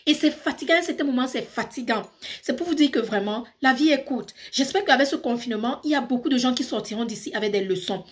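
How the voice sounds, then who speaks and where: A high-pitched woman with a Cameroonian French accent delivers an emphatic motivational rant straight to her viewers. She lectures firmly and hammers her points home by repeating them. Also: fast talker. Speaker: vlogger.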